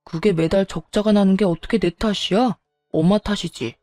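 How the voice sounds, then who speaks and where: A woman's voice: medium pitch, fairly even intonation, normal speed, mellow, dry recording, clean studio sound, faint music behind, natural voice. A woman voicing a self-pitying ex-husband who pleads, then turns petulant and defensive. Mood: complaining. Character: whiny self-pitying ex-husband, grown man.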